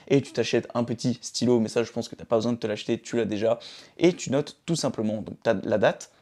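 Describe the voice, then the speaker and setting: A man's voice: mid-range voice, a little mellow. A young man from France talking informally to his phone camera about his daily routines, often checking in with the viewer. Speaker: vlogger. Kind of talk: casual self-help talk to camera.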